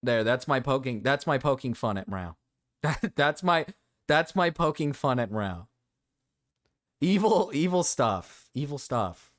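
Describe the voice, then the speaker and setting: A man's voice: medium pitch, lively intonation, unhurried, a bit bright. A man livestreaming in a casual, joking chat with viewers, often repeating his own phrases.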